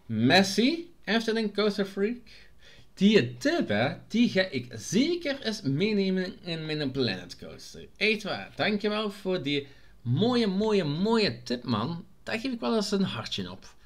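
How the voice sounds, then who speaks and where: A Belgian vlogger from Limburg, speaking with a Limburg Flemish accent, casually reads out viewer comments and answers them. His high voice swings hugely in pitch, he is a little slow, and he sounds hesitant, with frequent filler sounds.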